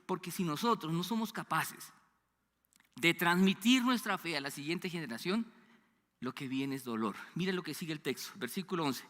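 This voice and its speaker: A Colombian man in his fifties with a Bogotá accent, preaching a sermon in an animated way, asking the congregation questions and sometimes dropping to a low, hushed voice. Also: normal speed. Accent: Colombian Spanish (Bogotá). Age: 50s. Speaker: pastor. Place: church sanctuary. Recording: long church hall reverb.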